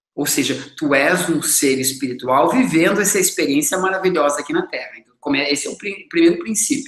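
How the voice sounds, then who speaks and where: Man with high pitch, lively intonation, a fairly quick pace, hardly any pauses and big swings in loudness, with audible room echo against a quiet background. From Rio Grande do Sul, Brazil. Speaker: trainer and speaker. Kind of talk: interview, personal storytelling. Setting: video call. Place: home room.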